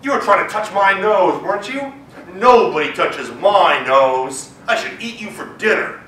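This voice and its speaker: Man playing a gruff, lordly male lion in a children's story. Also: sits high, expressive, measured pace, pushed and bright, roomy sound, distant mic, heavily acted, rough recording. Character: great big male lion, gruff and proud.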